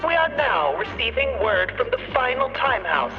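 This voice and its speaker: A woman's voice: fairly high pitch, sing-song, normal speed. A polished, chirpy radio presenter in an audio drama. Her intonation swoops animatedly as she delivers effusive, presentational lines. The sound is narrow like an old broadcast, with music behind. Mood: gushing, deferential. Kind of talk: radio advert and live broadcast hosting. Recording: band-limited radio broadcast over music.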